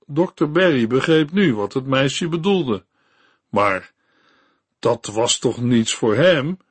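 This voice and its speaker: A man narrating a Christian story in a calm, measured reading voice. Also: mid-range voice, husky, no room sound. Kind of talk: read-aloud Christian story.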